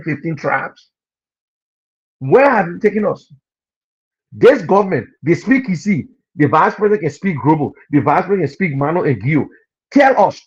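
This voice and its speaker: A man's voice: high voice, vocal fry, husky, dull audio. A Liberian man with a Liberian accent gives impassioned political commentary on a live radio and TV stream. He scolds the listeners and repeats his points for emphasis.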